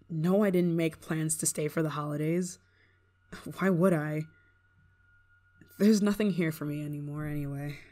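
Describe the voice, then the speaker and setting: A woman's voice: deep voice, steady tone, unhurried, long pauses, warm tone. A woman playing a prickly, homesick young performer in an ASMR roleplay, grudging in manner but secretly fond of an old friend. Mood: sullen, resigned. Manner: tsundere, grudging, sighing, secretly affectionate. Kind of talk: ASMR roleplay, acted monologue to listener.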